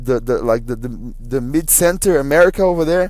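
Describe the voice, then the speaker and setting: A man's voice with a high pitch. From Brazil. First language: Portuguese. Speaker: podcaster. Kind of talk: solo podcast monologue. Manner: halting, with false starts.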